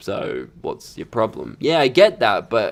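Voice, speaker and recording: Male speech at a fairly slow pace, with very wide pitch swings and vocal fry, on a very clean recording with a silent background. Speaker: gaming youtuber. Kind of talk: rant. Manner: animated.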